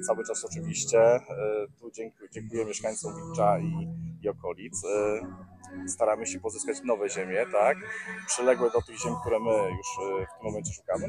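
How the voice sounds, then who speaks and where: A man's voice: lowish voice, normal speed, darkish tone, faint music behind. A man in his forties, organizer of a metal-detecting rally, answering interview questions outdoors on a lapel mic, hesitant with many filler sounds and restarts. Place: garden outdoors in summer.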